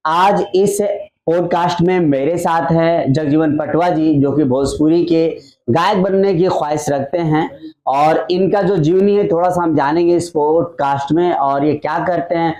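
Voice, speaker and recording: A man's voice: fairly high pitch, fairly even intonation, a little slow, a little mellow, poor audio. A man hosting a podcast, introducing his guest and asking friendly questions with some hesitant fillers. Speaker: podcast host. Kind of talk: casual podcast interview.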